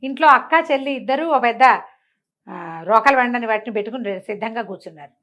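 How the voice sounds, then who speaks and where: An older woman telling a village folk tale, slipping into the characters' voices as she goes. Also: fast talker. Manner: acts out characters' lines with lively pitch swings. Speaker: storyteller. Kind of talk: animated folk-tale narration.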